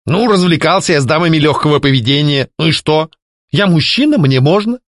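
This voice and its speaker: A man voicing a jealous, petulant male ghost who shouts and pleads. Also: a little high, animated, normal speed, gravelly, no echo, clean studio sound, pitched above the performer's own voice, heavily acted. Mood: sulky. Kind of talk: audiobook character voicing.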